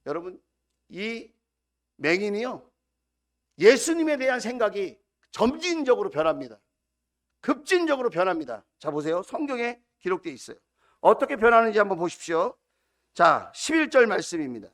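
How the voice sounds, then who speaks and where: A middle-aged man preaching as senior pastor, building to loud repeated cries and dropping to soft, intimate storytelling. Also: high-pitched, very animated, moderate pace, pauses often. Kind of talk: sermon.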